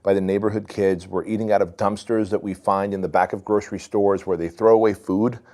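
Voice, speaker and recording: A man's voice: lowish voice, fairly even intonation, brisk, warm tone. A man in his forties from Armenia, a podcast guest telling his story in a candid, loose way. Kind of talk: casual storytelling.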